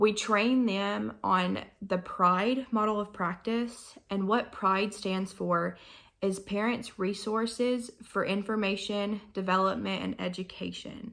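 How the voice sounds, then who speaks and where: Speaking at a very slow pace with hardly any pauses, a woman with a slight Southern US accent keeps a medium pitch and fairly even intonation. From US South, small-town Alabama. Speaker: social work student. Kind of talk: video blog.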